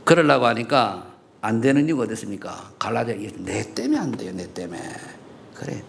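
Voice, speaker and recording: A middle-aged man preaching a sermon in a church, firing rhetorical questions at the congregation and swinging between loud and hushed delivery. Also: lowish voice, big pitch swings, brisk, creaky, a little hiss or hum. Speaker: pastor. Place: church sanctuary.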